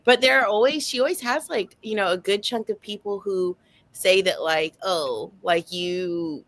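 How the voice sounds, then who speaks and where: A woman's voice: medium pitch, moderate pace, fairly bright tone. A woman on a book club panel, chatting informally and giving her opinions. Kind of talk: casual chat.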